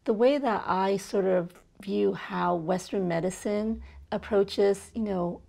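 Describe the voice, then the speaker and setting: A middle-aged woman physician from Burma speaks in a relaxed interview. Her voice carries a gravelly, fry-tinged texture. She pauses often and circles back to her words as she thinks aloud. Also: mid-range voice. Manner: thoughtful, many fillers and restarts. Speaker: physician guest. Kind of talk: conversational interview.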